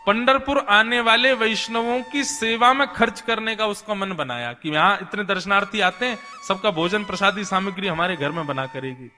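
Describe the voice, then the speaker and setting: High, bright-voiced male Hindu storyteller, long reverb. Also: normal speed, hardly any pauses, faint music behind. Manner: conversational, repeats phrases, voices characters' dialogue. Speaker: Hindu devotional storyteller, preacher. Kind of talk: devotional katha storytelling sermon, acting out dialogue.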